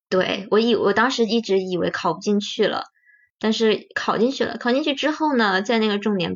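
A woman speaks with a plain, everyday voice. Her pitch is fairly high, with ordinary pitch variation. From China. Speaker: social worker, podcast host. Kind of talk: casual chat.

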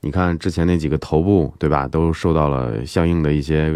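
Very deep and low in pitch, a man talks with a dark, mellow tone. His pace is moderate, with ordinary pitch variation. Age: 30s. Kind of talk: casual monologue.

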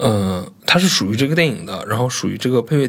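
A man at a medium pitch rattles along at a very fast pace with noticeable background noise behind him. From Dalian, northeast China. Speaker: film director. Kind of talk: casual chat.

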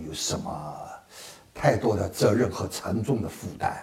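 Somewhat breathy and dark, mellow in tone, a man talks at a fairly slow pace with very wide pitch swings. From Shanghai. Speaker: traditional Chinese musician. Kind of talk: interview.

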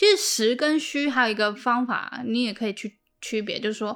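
Recorded very cleanly against a silent background, a woman speaks. She has a Taiwanese accent and a fairly high pitch. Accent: Taiwanese Mandarin. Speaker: traditional Chinese medicine doctor. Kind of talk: expert explanation.

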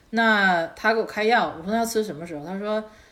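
A woman with a slight northeastern Chinese accent talks at a very fast pace with ordinary pitch variation. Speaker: podcast guest. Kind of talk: casual chat.

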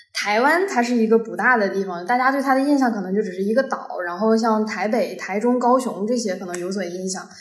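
The speech runs with hardly any pauses and ordinary pitch variation, amid noticeable background noise and audible room echo. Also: woman, fairly high pitch for a woman. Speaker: former exchange student. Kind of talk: casual interview chat.

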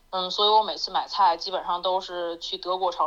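At a fairly quick pace, a woman with an ordinary speaking voice talks at medium pitch. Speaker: lawyer. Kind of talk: recorded interview answers.

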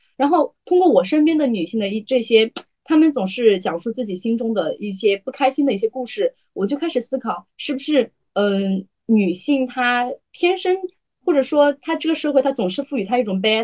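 Her high pitch swings very widely as a woman speaks in a dry, close sound with no echo. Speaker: student moderator. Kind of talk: interview.

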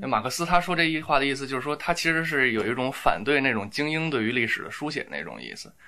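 Speaking very fast with hardly any pauses, a man with a fairly high pitch uses a bright, sharp tone with vocal fry, ordinary pitch variation and big swings in loudness. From Beijing. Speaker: documentary director and PhD student. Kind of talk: casual chat.

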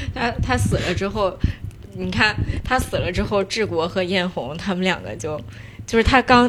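With noticeable background noise behind her, a woman of medium pitch swings her voice very widely and leaves long, frequent pauses. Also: moderate pace. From Northeast China, Harbin. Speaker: independent bookstore owner. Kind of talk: casual chat. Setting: in a bookstore.

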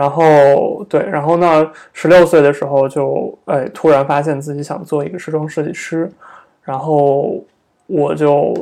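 The man's voice has a fairly high pitch and a dark, mellow tone, delivered fairly slowly with monotone, flat intonation. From Shandong, China. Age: 20s. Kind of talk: casual interview.

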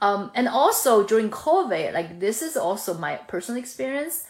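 In a Chinese accent, a woman speaks at a moderate pace with a fairly high pitch and lively intonation. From China, Chongqing. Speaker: food entrepreneur. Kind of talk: interview.

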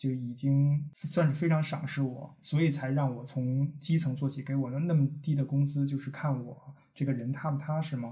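A man with a fairly high, somewhat breathy voice and a dark, mellow tone speaks at a moderate pace with hardly any pauses, keeping a monotone, flat intonation. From Beijing, raised abroad from age 12. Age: 30s. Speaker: early retiree, former corporate manager. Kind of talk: interview conversation.

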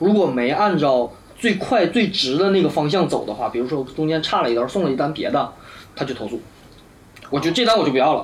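His pitch fairly high, a man talks with very wide pitch swings. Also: fairly quick pace. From Inner Mongolia, China. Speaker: party guest, human-computer interaction researcher. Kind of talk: casual group chat. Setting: live party recording with group. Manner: animated.

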